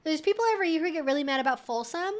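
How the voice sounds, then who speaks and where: High-voiced woman chatting on a livestream. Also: lively intonation, rapid-fire. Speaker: livestream host. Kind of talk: casual Q&A livestream chat.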